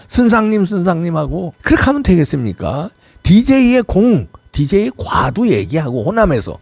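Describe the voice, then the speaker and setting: Brief: middle-aged male commentary host, fiery and pleading, pitch swings wildly, dry close sound. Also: a little mellow, dry recording. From Seoul, South Korea. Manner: impassioned, pleading and scolding, mocking impressions. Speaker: political commentary channel host. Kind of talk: fiery political commentary monologue.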